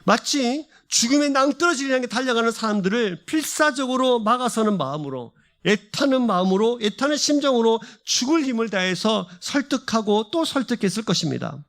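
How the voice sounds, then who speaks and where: Male pastor, high and very lively voice, fervent sermon delivery with repeated building phrases. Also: fairly quick, hardly any pauses. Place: church service.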